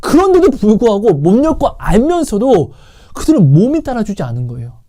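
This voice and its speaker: A woman's voice: a little high, sing-song, a little fast, warm tone. A woman preaching with emotion, retelling a Bible story and exclaiming as she acts out the quoted speech. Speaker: preacher sharing testimony. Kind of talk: impassioned sermon storytelling.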